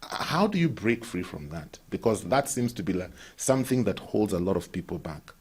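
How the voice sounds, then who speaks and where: A man with a Kenyan accent hosting a talk show, telling stories and asking questions in a lively way. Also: low-pitched, a little fast, husky. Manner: animated storyteller who poses questions. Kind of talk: casual talk-show discussion.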